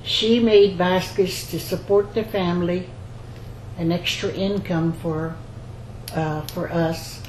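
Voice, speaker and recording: Slow-speaking older woman. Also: on the low side, fairly even intonation, darkish tone. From rural Louisiana, United States. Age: 70s or older. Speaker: basket maker interviewee. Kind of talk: oral history interview, personal recollection. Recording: roomy echo, faint background noise.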